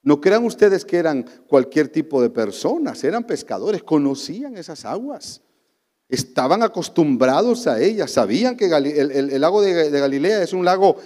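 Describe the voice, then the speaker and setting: Honduran male pastor, emphatic sermon delivery, loud peaks and hushed drops, fairly high voice, reverberant sanctuary. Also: very animated, moderate pace. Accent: Honduran Spanish. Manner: emphatic preaching, swings between loud exclamations and soft low asides. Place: church sanctuary. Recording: long church reverb.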